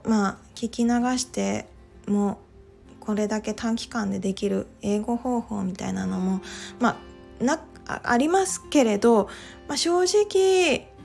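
A woman's voice: fairly high pitch, a little slow, creaky, mellow, slightly rough, faint music behind. A woman talking casually on her own podcast, chatty and full of little fillers as she goes. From Japan. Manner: chatty, many filler "well"s. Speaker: podcast host. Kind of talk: casual monologue.

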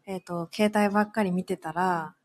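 A woman chatting on a live radio show, halting and trailing off mid-phrase. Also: fairly low pitch, fairly even intonation. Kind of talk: casual live radio chat.

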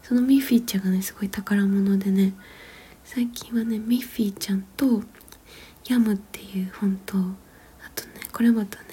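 Softly whispering mellow-voiced woman. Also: medium pitch, slightly rough. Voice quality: soft whisper. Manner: gentle, rambling, with frequent fillers and soft laughs. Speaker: mother. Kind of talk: whispered casual storytelling.

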